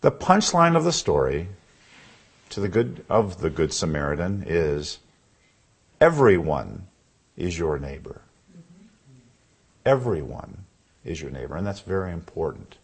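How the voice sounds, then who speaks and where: Husky baritone preacher with lively pitch. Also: male voice, a little slow, pauses often. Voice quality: husky with a cough. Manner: expressive preaching with rhetorical questions to the congregation. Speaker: pastor. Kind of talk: sermon. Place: church sanctuary.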